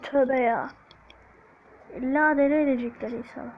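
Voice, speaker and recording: A woman's voice: high-pitched, steady tone, a little slow, lo-fi sound. A young woman playing a video game, chatting jokingly to her viewers in a put-on Black Sea Turkish accent. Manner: joking, chatty, talks to viewers, hums snippets. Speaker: gaming YouTuber. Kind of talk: casual gameplay commentary.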